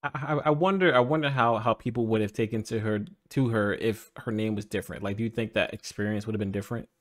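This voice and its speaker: A man's voice: on the low side, quick pace. Easygoing, laughing podcast host man. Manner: easygoing, agreeable, laughs often. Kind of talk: casual podcast chat.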